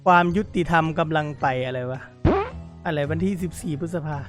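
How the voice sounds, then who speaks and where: A man commenting on a role-play game, reading chat messages aloud, excitable and often laughing. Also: fairly high pitch, a little fast, faint music behind. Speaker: gaming YouTuber.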